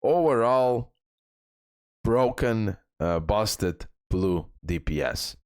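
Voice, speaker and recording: A man's voice: fairly low pitch, lively intonation, drawn-out words, clean tone, dry recording, clean studio sound. A man hosting a video game guide, speaking in casual, enthusiastic bro slang with emphatic repetition as he comments and reads out details. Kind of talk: casual gaming commentary, reading out skill descriptions.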